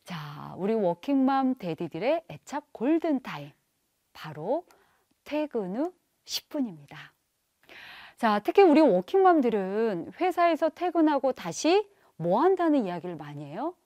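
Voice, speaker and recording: Animated woman giving a parenting lecture. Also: a little high, no room sound, studio quality. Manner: lively, asks the audience rhetorical questions; acts out parents' and children's lines in quick voices. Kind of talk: televised lecture.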